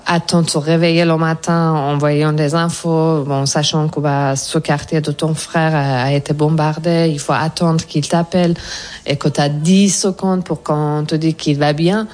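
A woman's voice: low-pitched, steady tone, a little slow, a little mellow. A woman from Iran, speaking French as a guest in a radio interview and answering thoughtfully, searching for her words. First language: Persian. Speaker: actress guest.

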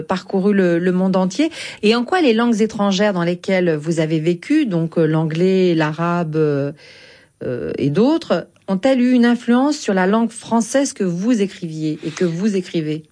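A woman's voice: medium pitch, dark tone. A woman interviewer who guides the conversation, summing up and rephrasing her guest's points. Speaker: radio interviewer. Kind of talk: interview questions.

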